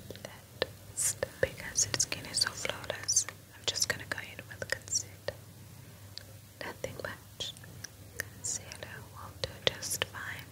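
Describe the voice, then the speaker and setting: Whispering from a woman at a very slow pace, broken by long, frequent pauses. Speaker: ASMR artist. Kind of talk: ASMR personal attention role play. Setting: home recording with audio problems. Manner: whispered; slow, soft-spoken. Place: home room.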